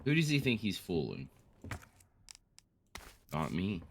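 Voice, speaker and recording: A man's voice: sits low, wildly swooping pitch, takes it slowly, gravelly, heavy background noise. A man co-hosting a gaming series, chatting casually and jokily as he rambles along with a friend. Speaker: co-host of a gaming let's play series. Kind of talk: casual chat over gameplay, bantering with a friend.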